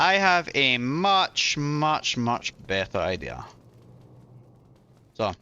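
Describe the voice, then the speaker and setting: A fairly high-pitched man with a strong Scottish accent, very slow with long, frequent pauses and very wide pitch swings. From Scotland. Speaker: video game streamer. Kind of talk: casual gaming livestream commentary.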